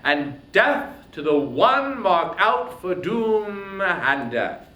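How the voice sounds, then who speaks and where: A man voicing a wronged warrior king, commanding, grave and bitter, in a loud, declamatory epic reading. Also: sits high, sing-song, drawn-out words, pitched above the performer's own voice, exaggerated voice. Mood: commanding, aggrieved. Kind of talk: dramatic reading of ancient epic poetry. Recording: roomy echo, distant mic, faint noise.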